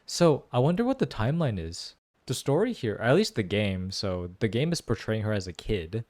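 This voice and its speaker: Animated man reacting to a game story. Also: lowish voice, normal speed. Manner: animated, exclamatory, muses aloud. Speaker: gaming content creator.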